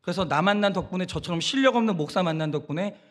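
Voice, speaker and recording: A man's voice: high voice, quick pace. A man preaching a Sunday sermon as pastor, emphatic and direct, asking the congregation rhetorical questions. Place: church sanctuary.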